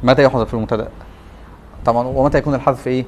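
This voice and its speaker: With a little hiss or hum in the audio, a man of medium pitch lectures at a racing pace, his tone steady and darkish. He's a teacher with an Egyptian Arabic accent who keeps asking his students rhetorical questions.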